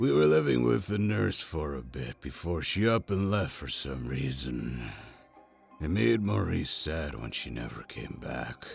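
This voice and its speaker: A man puts on a character voice, very deep and low in pitch, at a fairly slow pace. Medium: audio drama. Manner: rambling, hesitant with filler words.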